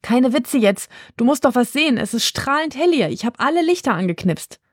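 Brief: woman voicing a practical young girl in an audio story, urgent and commanding, a bit above her own pitch. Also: sing-song, a little fast, husky, no room sound, studio quality, heavily acted.

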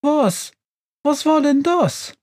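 A narrator voicing a young, rude storybook witch who snaps at everyone, in a high, sharp voice. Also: lively intonation, takes it slowly. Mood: tearful. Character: young grumpy rude witch, crying inside. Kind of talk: storybook reading.

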